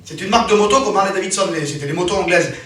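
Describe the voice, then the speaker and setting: A man's voice: high-pitched, very fast, fairly bright tone. A man preaching a sermon as a personal story, emphatic and repetitive, often restarting his sentences. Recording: very echoey hall, mic far off.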